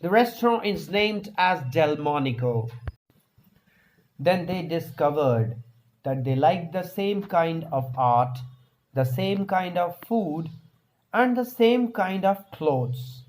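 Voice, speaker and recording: A man narrates a scripted short story in a high voice. His pace is slow and deliberate, and he dramatizes the telling as a storyteller would. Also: animated, low-quality recording.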